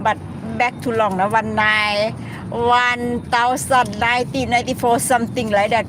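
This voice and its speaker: A woman's voice: fairly high pitch, little pitch movement, moderate pace. Chatty Thai woman in a noisy taxi. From Thailand. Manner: chatty, broken English with many fillers. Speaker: travel vlogger. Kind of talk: live-streamed travel vlog. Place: in a taxi in city traffic. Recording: phone live stream with loud traffic noise.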